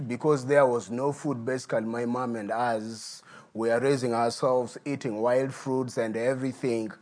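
Middle-aged man, guest pastor; earnest, unhurried sermon delivery in a mid-range voice. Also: medium pitch. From Uganda. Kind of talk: sermon with personal testimony.

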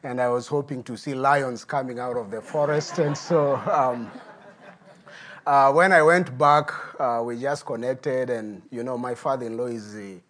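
A middle-aged Ugandan man, visiting as a guest pastor, shares his testimony during a sermon in an earnest, unhurried way. His voice is medium in pitch and a bit bright.

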